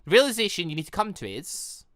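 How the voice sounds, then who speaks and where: A man's voice: high voice, big pitch swings, fast, fairly bright tone, no echo, clean studio sound, pitched above the performer's own voice. A man voicing a smug, condescending male villain in a visual novel game, with a pompous, lecturing delivery.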